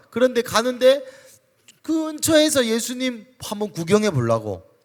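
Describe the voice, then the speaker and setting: Speaking with a Gyeongsang accent, a man talks fairly slowly in an extremely high pitch with ordinary pitch variation. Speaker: pastor. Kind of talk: sermon. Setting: church. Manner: casual, conversational.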